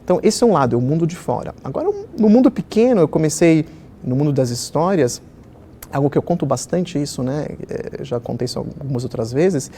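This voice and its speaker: A middle-aged Israeli-born man, a children's author, tells personal stories in a lively, conversational interview, peppering his speech with fillers. His voice is slightly high and his pace brisk, with a little background noise.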